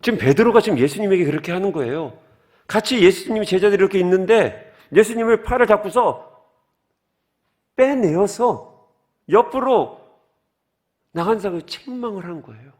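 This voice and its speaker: A man's voice: sits high, expressive, quick pace, a little mellow. A man as pastor preaching a sermon, who asks the congregation questions and explains the words of the text.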